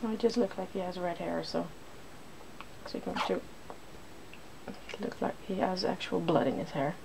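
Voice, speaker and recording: A woman's voice: on the low side, moderate pace, vocal fry. Casual female ASMR host over noticeable noise. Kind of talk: ASMR, casual chat while doing makeup.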